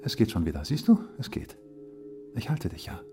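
A man's voice: fairly low pitch, huge pitch swings, moderate pace, mellow, soft background music. An actor playing a stern but protective male companion in a radio drama, speaking in terse imperatives. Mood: soothing, firm.

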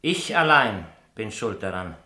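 An actor playing an earnest, halting gardener who is a secret lover confessing his guilt in a German radio play. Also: on the low side, very animated, bright, forceful tone, echoey room, exaggerated voice.

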